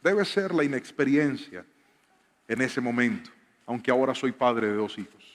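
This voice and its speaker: A man's voice: mid-range voice, animated, moderate pace. A man in his thirties preaching a sermon as a pastor, telling personal stories and acting out quotes in changing voices. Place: church hall with live piano. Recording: live hall reverb with piano. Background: soft piano.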